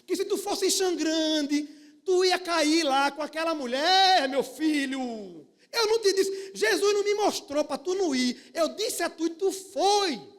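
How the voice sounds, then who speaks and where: A fervent old church sister, loud and urgent, as a preacher puts her on. The voice sits very high and presses hard, scolding and pleading in one breath. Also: lively intonation, unhurried, big-room sound, exaggerated voice.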